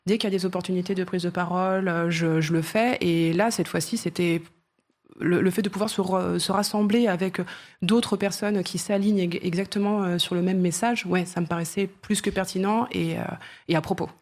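A woman, a streamer and activist, answering as a guest on a talk show with frequent fillers and pauses. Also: on the low side, fairly even intonation, a little mellow. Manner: hesitant, many fillers.

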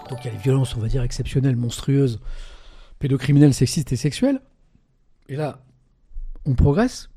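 Mellow-voiced man commenting on a stream. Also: medium pitch, dry recording, clean studio sound. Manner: conversational, tags sentences with "hein"; reads article passages aloud, then comments. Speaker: live streamer. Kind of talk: casual live-stream commentary reading press and chat.

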